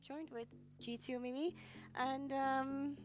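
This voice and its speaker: Brief: woman esports caster, earnest, slightly awkward interviewer, high bright voice. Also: fairly even intonation, takes it slowly, over music. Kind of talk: comedic interview skit.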